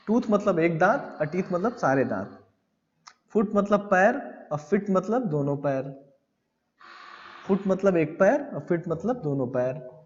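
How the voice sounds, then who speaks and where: Slow-paced male teacher, echoey. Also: sits high, a little mellow. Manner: reads English lines slowly, then explains them in Hindi; asks questions and answers them himself. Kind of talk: classroom-style lesson on English grammar. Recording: dull lo-fi audio with long reverb.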